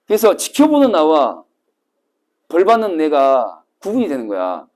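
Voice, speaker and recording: A man teaching a cram school Korean class, telling stories vividly and acting out scenes with sudden shouts. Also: on the high side, wildly swooping pitch, unhurried. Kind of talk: classroom lecture to exam retakers.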